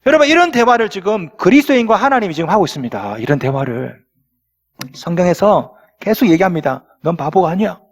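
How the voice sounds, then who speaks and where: A man's voice: high voice, lively intonation, fairly quick. A male pastor preaching a sermon emphatically, repeating his key words, with long hall reverb.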